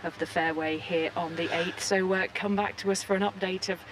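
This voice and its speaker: A man's voice: high voice, fairly even intonation, brisk, a bit bright. A man commentating live on golf in a chatty broadcast style. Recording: faint outdoor background noise.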